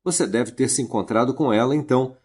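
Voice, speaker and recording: A man voicing a stern older master who dryly mocks his lazy apprentice, with a husky voice. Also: mid-range voice, fast, a little mellow, natural voice. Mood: mocking.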